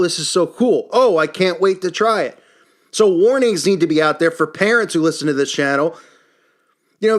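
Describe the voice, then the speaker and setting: A man's voice: fairly high pitch, fairly bright tone. A man delivers an indignant, emphatic, unscripted opinion rant as a commentary host. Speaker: YouTube commentary channel host.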